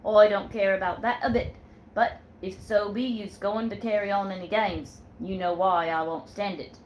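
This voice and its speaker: A woman voicing a jealous male sailor who talks in blunt, loud nautical slang. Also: mid-range voice, steady tone, moderate pace, a little hiss or hum, natural voice, poor audio. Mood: blustering. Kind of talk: read-aloud storytelling.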